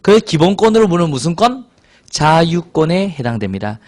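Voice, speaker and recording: Male lecturer, high, very animated delivery, classroom banter. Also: normal speed. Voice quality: hoarse from excitement. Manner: lively, teasing students, acts out scenes in quoted voices. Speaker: civil service exam social studies lecturer. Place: lecture room with students.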